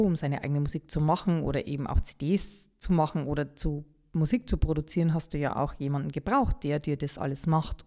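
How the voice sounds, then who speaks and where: Low, mellow-voiced Bavarian woman. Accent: light Bavarian. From Upper Palatinate, Bavaria. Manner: candid, reflective, with many fillers and restarts. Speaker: podcast host. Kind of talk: personal storytelling podcast.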